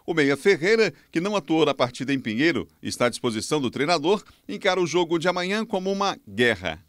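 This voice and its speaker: A man presenting a regional morning TV news bulletin with a brisk announcer delivery and a Brazilian accent from Maranhão. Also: fairly high pitch, very animated, a bit bright. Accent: Brazilian Portuguese, Maranhão. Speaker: news anchor.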